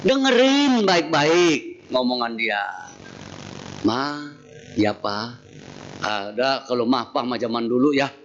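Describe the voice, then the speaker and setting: A man's voice: mid-range voice, unhurried. A man giving a humorous sermon as a Buddhist preacher, telling a story and acting out the dialogue in shifting voices. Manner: animated, acts out quoted dialogue in shifting voices. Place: temple hall. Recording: dull lo-fi sound with faint noise.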